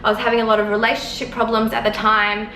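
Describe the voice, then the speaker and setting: Casting note: a woman in her twenties, a rambling vlogger with a bright voice on the high side, recorded in an echoey room. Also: level tone, fast talker. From Australia. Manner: rambling and chatty, with many fillers and apologies. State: sore eyes from smoke. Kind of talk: casual storytelling to camera. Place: lounge room at home. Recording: echoey room, faint background noise.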